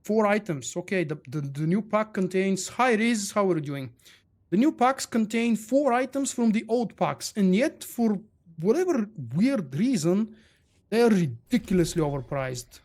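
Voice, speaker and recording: A man's voice: sits high, very animated, moderate pace, darkish tone. A man from Bulgaria with a Bulgarian accent, casually chatting with viewers while streaming a game. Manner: chatty, reads and answers viewer chat. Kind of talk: casual live-stream chat.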